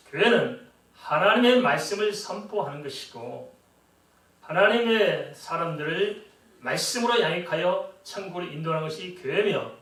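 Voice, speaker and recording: A man's voice: sits high, a bit bright. A middle-aged man preaching a sermon as a pastor, talking conversationally and often asking the congregation rhetorical questions. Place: church sanctuary. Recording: echoey church hall, voice from a distance.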